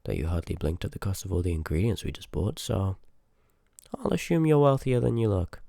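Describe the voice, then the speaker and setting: A very low-voiced, gravelly sorcerer, acted by a man, talks straight to the listener in a fantasy audio roleplay. He is rude and curious, full of sarcastic banter and muttered asides. The sound is close and very dry, with no room around it. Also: expressive, brisk, warm tone, no room sound, full character voice. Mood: teasing, sardonic. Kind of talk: ASMR audio roleplay acting, addressed to the listener.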